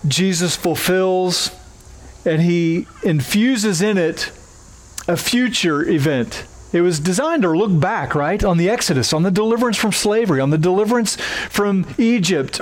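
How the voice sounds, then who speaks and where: A middle-aged male pastor from Oklahoma with a twangy accent, preaching an earnest sermon that builds through scripture references. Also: sits high.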